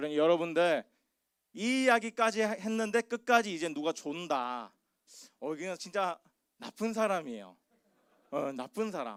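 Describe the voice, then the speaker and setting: A man's high voice with very wide pitch swings, a fairly slow pace and long, frequent pauses, dry and close with no echo on a very clean recording against a silent background. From rural Korea. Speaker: pastor. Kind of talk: sermon. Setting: church.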